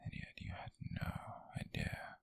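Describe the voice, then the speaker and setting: A British man playing an obsessive, possessive coworker turned tender captor in an ASMR roleplay, speaking in a breathy, gravelly, coaxing hush. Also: close to an everyday voice. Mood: yearning, obsessive. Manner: slow, coaxing, hushed, intimate with pauses. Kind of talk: whispered ASMR roleplay monologue.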